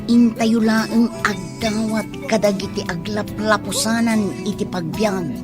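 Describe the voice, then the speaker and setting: A woman's voice: medium pitch, fairly even intonation, unhurried, over music, close to an everyday voice. An actress playing a carefree, coaxing young woman in an Ilocano radio drama.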